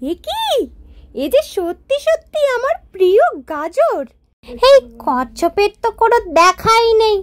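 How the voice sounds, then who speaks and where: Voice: very high voice, sing-song, measured pace, a bit bright, full character voice. A performer voicing a boastful, overconfident hare in a children's cartoon, talking in a smug, mocking way. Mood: curious, delighted. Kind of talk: children's moral-story cartoon dialogue.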